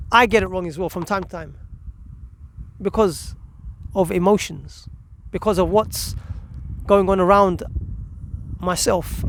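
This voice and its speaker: A man presenting informal, motivational parenting advice, speaking emphatically in deliberate phrases with pauses. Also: high voice, slight background noise.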